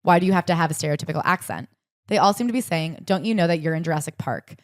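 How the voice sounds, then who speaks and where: A young woman co-hosting a podcast, summarizing a book and reading passages aloud in a brisk, chatty way. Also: on the low side, expressive, no echo, studio quality. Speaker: podcast co-host. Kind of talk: casual book-club chat with read-aloud passages.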